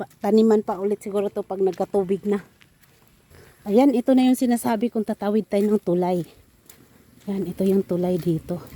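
Fairly quick in pace yet broken by long, frequent pauses, this dark, mellow voice shows ordinary pitch variation in a dry, close recording with no echo. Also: woman, medium pitch for a woman. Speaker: vlogger. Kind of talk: casual vlog narration. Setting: outdoors. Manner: stumbling over words.

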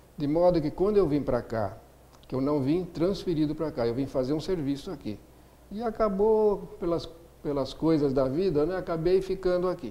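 Lively in intonation, a man speaks at a moderate pace with a dark, mellow tone and a fairly high pitch. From São Paulo, Brazil. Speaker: retired engineer, former power plant chief. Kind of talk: oral history interview answer. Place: home room. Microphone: lapel.

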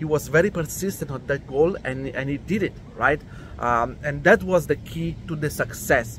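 A man speaks at a fairly high pitch with ordinary pitch variation, the sound dry with no echo and light background noise behind him. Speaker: animator and video creator; video creator. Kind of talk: monologue talk to camera. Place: street. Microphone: phone near.

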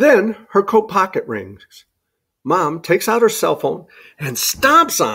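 The voice moves slowly through very wide pitch swings, its bright, sharp tone carrying a slightly husky edge and vocal fry. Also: man, high pitch for a man.

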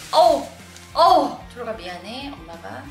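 A woman's voice over clear music in the background. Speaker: parenting vlogger. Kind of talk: casual vlog chat, product review. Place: home room. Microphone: camera far.

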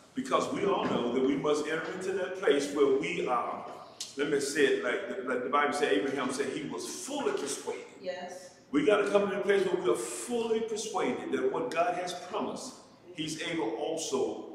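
Strong room echo and light background noise surround speech at a moderate pace. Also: man. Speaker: pastor. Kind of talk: sermon. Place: church.

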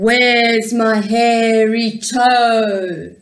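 Someone performs a put-on character voice at a fairly high pitch. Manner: spooky, menacing.

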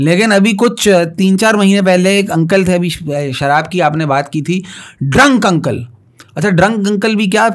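At a fairly slow pace against a quiet background, a man speaks at a high pitch with ordinary pitch variation. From Pakistan. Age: 30s. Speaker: stand-up comedian and rapper; podcast guest, comedian. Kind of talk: casual interview chat. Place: studio. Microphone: studio mic.

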